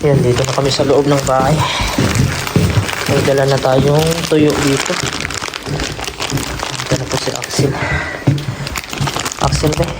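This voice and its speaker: A man's voice: medium pitch, level tone, a little slow, pauses often. A man from the Philippines vlogging casually to his viewers as a father, chatting and calling them countrymen. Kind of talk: casual vlog talk to viewers. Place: snowy outdoors, then indoors at home. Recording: noisy phone recording.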